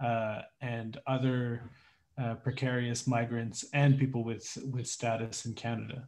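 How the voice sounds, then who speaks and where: A man's voice with a dark, mellow tone and a somewhat breathy quality. He talks at a moderate pace. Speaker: interpreter. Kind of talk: spoken translation. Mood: serious, earnest. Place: home room. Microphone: video call.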